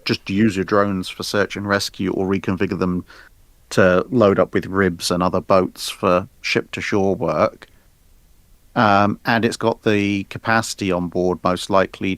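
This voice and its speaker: A man's voice: deep voice, no room sound. A man on a livestream panel giving a casual expert explanation, articulate and methodical as he lists points.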